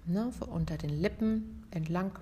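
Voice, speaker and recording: Encouraging woman leading a vocal warm-up. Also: on the low side, normal speed, slight background noise. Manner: calm, encouraging, addresses listener informally. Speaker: singing teacher. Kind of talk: guided vocal warm-up lesson. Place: podcast episode.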